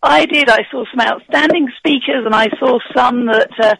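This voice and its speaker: A middle-aged woman, hoarse after a week of speaking, giving brisk, confident advice on public speaking in a podcast conversation. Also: on the high side, a bit bright, dry recording, rough recording.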